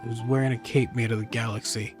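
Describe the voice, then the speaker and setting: Male gamer, medium-pitched, casual irreverent commentary, playful, clear game music behind him. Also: little pitch movement, quick pace. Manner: irreverent, crude humour, playful. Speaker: gamer, streamer. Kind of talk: casual joking game commentary, reading some dialogue aloud. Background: video game music.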